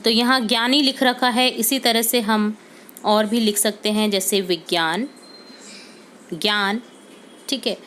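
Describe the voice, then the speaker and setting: A woman's voice: a little high, fairly even intonation, unhurried, pauses often, fairly bright tone, a little hiss or hum. A woman teacher going through a homework lesson for young pupils, patiently repeating example words and checking in with the class.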